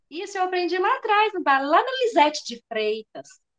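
A woman speaks at a fairly slow pace against a quiet background. Her pitch swings very widely. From Minas Gerais, Brazil. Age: 40s. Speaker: dancer and psychologist. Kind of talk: talk about her career. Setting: video call. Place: home room. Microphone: video call.

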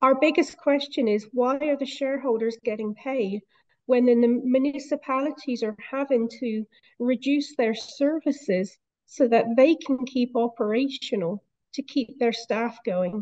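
A woman with a Canadian accent, high-pitched, with ordinary pitch variation over a quiet background. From Canada (Alberta). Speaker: rural county mayor. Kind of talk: interview. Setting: video call. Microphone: video call.

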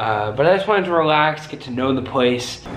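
Audible room echo and light background noise surround this man's voice. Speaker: travel vlogger. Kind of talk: casual vlog chat. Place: home room. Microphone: phone near.

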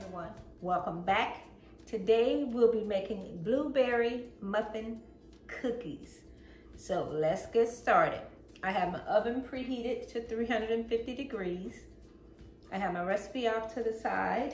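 A woman at a fairly slow pace, with audible room echo and faint music in the background. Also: ordinary pitch variation. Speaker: home cooking channel host. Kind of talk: tutorial. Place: kitchen. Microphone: camera far.

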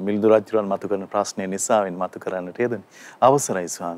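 A man talks at a fairly low pitch with fairly even intonation. The sound is dry, with no echo. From Sri Lanka. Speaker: TV and radio presenter; radio presenter. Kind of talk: formal religious program hosting; religious programme introduction. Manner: formal. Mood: reverent, devotional. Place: studio. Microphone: lapel.

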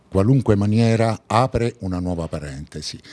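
The voice has a dark, mellow tone, moves at a very slow pace, and shows ordinary pitch variation. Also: man. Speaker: retiring school administrator. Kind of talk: interview. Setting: office. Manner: hesitant, many fillers. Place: office. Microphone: handheld.

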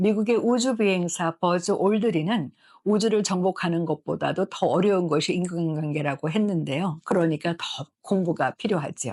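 A woman with an ordinary speaking voice talks at a moderate pace and a fairly low pitch with ordinary pitch variation, the sound dry and close with no echo. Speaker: psychiatrist. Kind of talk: lecture. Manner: formal.

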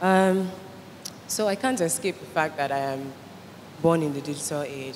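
Over light background noise, someone with a Nigerian accent speaks at a moderate pace with ordinary pitch variation. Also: woman. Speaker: artist; panelist. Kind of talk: panel discussion. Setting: stage with audience. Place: stage. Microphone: handheld.

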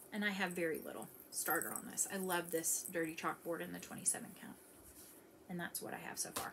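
Someone talks at a fairly quick pace, with pitch that varies in an ordinary way. Noticeable background noise runs throughout. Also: woman, fairly low pitch for a woman. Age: 40s. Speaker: cross-stitch vlogger. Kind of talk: casual show-and-tell vlog. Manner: chatty, many filler ums. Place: home room. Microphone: phone near.

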